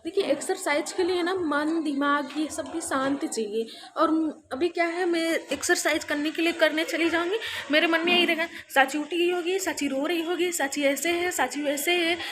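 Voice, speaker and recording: High-voiced chatty young woman. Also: moderate pace, hardly any pauses, a bit bright, a little hiss or hum. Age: young adult. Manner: chatty, laughs often while talking. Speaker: vlogger. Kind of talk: casual home vlog chat. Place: at home, indoors.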